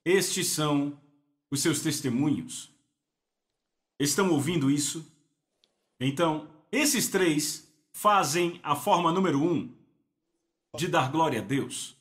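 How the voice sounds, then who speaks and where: A man's voice: on the high side, slow, long pauses, a bit bright. A man preaching an emphatic, exclamatory Pentecostal sermon.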